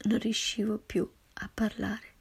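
Woman narrator, whispered first-person narration, airy and husky with a gravelly rasp. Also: mid-range voice, level tone, unhurried. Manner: hushed, breathy whisper.

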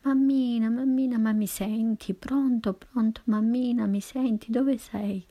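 A woman voicing an eager, affectionate little girl calling her mother, softly whispered. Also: medium pitch, a little slow, vocal fry, breathy edge, exaggerated voice. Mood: anxious. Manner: calls out anxiously, childlike.

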